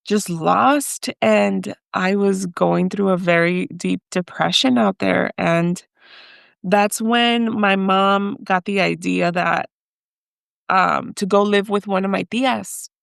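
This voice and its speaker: This woman's medium-pitched voice stays steady and slow, with vocal fry, in a dry studio-quality recording. Guesting on a podcast, she relates her personal story with hesitation and emotion, sprinkling in Spanish phrases reflecting her US upbringing by Mexican parents.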